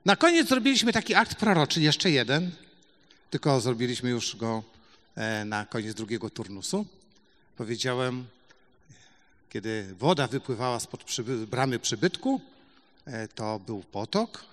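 A middle-aged man telling a testimony in a sermon, swinging from loud emphatic bursts to quiet asides. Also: mid-range voice, animated, a little slow. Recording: long hall reverb.

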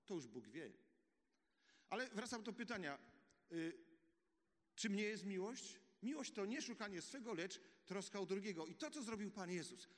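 A man preaching a sermon, telling the story vividly and dropping to a hush for key points. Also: high-pitched, normal speed, long pauses. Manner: animated storytelling with dramatic drops to a hush. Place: church hall. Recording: echoey church hall.

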